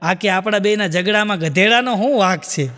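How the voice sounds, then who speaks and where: A man doing stand-up comedy, telling quick anecdotes full of acted dialogue on a live stage. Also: high-pitched, long reverb tail, heavy background noise. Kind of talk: Gujarati stand-up storytelling.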